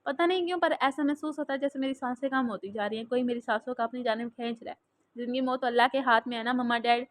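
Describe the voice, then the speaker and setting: A woman voicing a frightened, tearful young man who speaks softly and pleads with his parents. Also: a little high, quick pace, natural voice. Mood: tearful pleading. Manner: soft, pleading.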